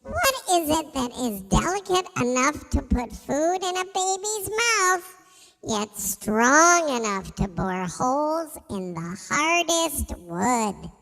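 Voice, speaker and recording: A man voicing a bold, wise little hoopoe bird from a storybook in a creaky, high voice, speaking formally in an echoey hall. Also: sing-song, pushed and bright, full character voice. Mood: solemn riddling. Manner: deliberate, formal riddling. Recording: echoey hall with long reverb.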